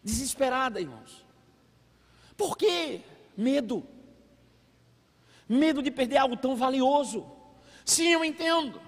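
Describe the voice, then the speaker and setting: A man preaching a sermon as a pastor, telling a family story with animated acted-out voices. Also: very high-pitched, unhurried, long pauses. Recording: long hall reverb.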